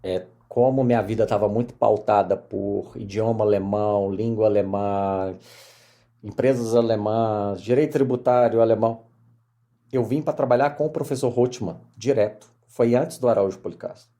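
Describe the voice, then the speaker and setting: A middle-aged man from Minas Gerais with a Mineiro accent, telling his career story as a podcast guest in lively casual conversation. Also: fairly low pitch, moderate pace. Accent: Mineiro Portuguese. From Minas Gerais, Brazil. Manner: animated storyteller, many fillers.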